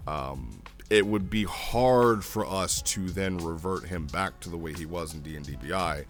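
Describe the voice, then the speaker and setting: A man speaks in a fairly low voice over soft background music. He hosts a casual, unscripted review. He rambles as he works out his thoughts and often restates a phrase to press the point. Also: moderate pace. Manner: rambling, thinking aloud, repeats phrases for emphasis. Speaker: host reviewing a text role-play. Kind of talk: casual off-the-cuff review commentary.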